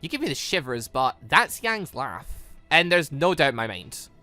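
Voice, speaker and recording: A gamer voicing a defiant, sharp-witted teenager in an anime visual novel, indignant and challenging. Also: mid-range voice, big pitch swings, moderate pace, no room sound, faint music behind. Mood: probing, insistent.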